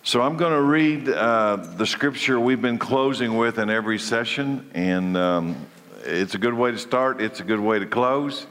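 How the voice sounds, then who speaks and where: A man's voice: medium pitch, lively intonation, normal speed, a bit bright, big-room sound. A congested man leading a church Bible study, preaching in a conversational way that often restarts his phrases. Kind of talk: church teaching session.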